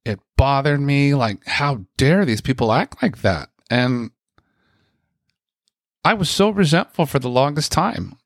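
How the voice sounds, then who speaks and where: An American man from the United States tells a personal story, rambling and chatty, full of fillers and asides. His gravelly voice sits in the mid-range, captured in a dry, studio-quality recording.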